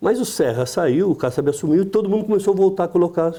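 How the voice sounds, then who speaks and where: A man speaks in a dark, mellow tone. His pitch swings very widely. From Brazil, São Paulo (east zone). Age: 70s. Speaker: advertising salesman and local political candidate. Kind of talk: interview conversation.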